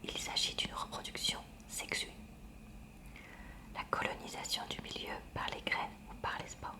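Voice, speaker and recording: A woman reads a textbook aloud for ASMR in a breathy, unvoiced library whisper, hushed and careful. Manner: hushed, careful, measured reading. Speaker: ASMR reader. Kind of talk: soft ASMR read-aloud of a school science textbook.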